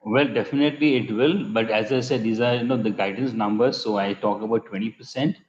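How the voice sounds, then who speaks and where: Man, low voice, cautious businesslike answers, muffled call line. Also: steady tone, fairly quick. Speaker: company executive answering analysts. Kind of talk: earnings conference call answers.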